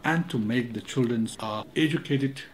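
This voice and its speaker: A man's voice: medium pitch, moderate pace, slight background noise. Earnest man explaining. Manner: earnest, explanatory, non-native grammar. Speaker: monastery school administrator. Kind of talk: documentary interview. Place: office indoors.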